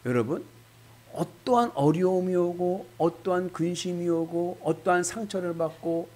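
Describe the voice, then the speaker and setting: A man's voice: sits high, a little slow, a little mellow. A middle-aged male pastor preaching a sermon, acting out quoted dialogue in shifting voices.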